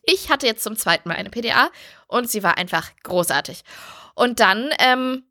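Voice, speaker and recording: A woman's voice: fairly high pitch, expressive, normal speed, pushed and bright. A young woman telling her own story in casual chat, candid and blunt, swearing freely. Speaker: podcast host.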